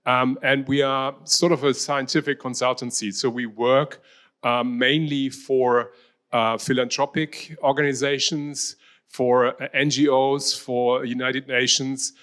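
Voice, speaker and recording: A middle-aged man from Germany gives a slide talk in a German-accented voice of ordinary pitch. He speaks with a hesitant, halting flow, often pausing on "um" and restarting his phrases. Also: level tone, fairly bright tone. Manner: hesitant, many ums and restarts. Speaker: university researcher.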